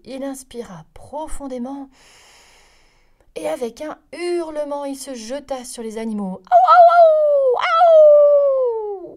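A woman reading a children's picture book aloud, telling it in an expressive, lively way. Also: sits high. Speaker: storyteller. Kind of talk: children's story read-aloud.

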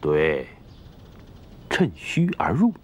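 A man's voice: extremely low pitch, wildly swooping pitch, extremely slow, noisy background, heavily acted. An actor playing a scheming middle-aged father who coaxes his son toward an ambitious match in a period TV drama. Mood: coaxing. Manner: persuasive, coaxing.

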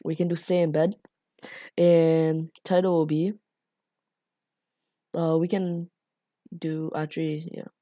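A woman with a slightly raspy late-night voice hosts a casual coding tutorial, rambling and apologizing with lots of fillers. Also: sits low, little pitch movement, takes it slowly, long pauses, warm tone, no room sound, clean studio sound. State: a bit raspy from being up late.

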